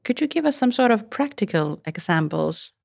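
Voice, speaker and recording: Woman interviewer, deep fry-tinged voice, warmly affirming her guest. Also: very animated, moderate pace, dry recording, studio quality. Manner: affirming, encouraging listener. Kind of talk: conversational interview.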